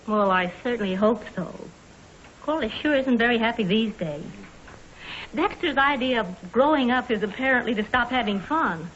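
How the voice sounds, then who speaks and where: An actress playing a calm, kind middle-aged mother who speaks in a soothing, polite way, in 1940s radio acting on an old broadcast. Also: a little high, moderate pace, highs cut off, slight background noise. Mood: gentle.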